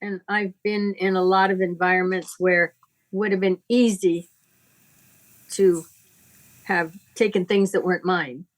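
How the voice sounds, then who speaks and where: A woman speaking conversationally as a spiritual teacher, deliberate and emphatic, with a moralizing way of talking. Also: fairly low pitch, fairly even intonation, low-quality recording.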